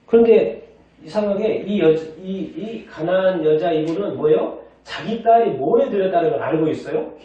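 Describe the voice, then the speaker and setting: A male pastor preaches in a church sanctuary, picked up from a distance in a lo-fi, echoey recording. His voice is fairly high for a man but mellow and soft in tone. He keeps asking the congregation questions and answers them himself. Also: expressive, normal speed. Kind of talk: sermon.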